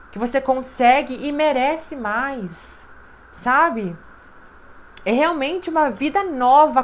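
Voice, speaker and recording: A woman's voice: high voice, a little hiss or hum. Emphatic woman reading tarot. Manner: emphatic, repetitive, with frequent "né?" and "sabe?". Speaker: tarot reader. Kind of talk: intuitive tarot card reading.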